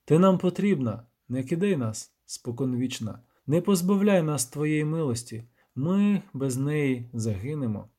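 A man voicing a cold, proud, white-haired male elf leader who speaks in a measured, commanding way. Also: fairly high pitch, animated, dark tone. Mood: pleading.

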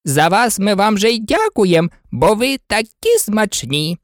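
Storybook walrus put on by a woman: greedy, weepy, fussy, lively, dry close sound. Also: mid-range voice, unhurried, no room sound, pitched above the performer's own voice. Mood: sly, mournful. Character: sly greedy male walrus, tearful and sentimental.

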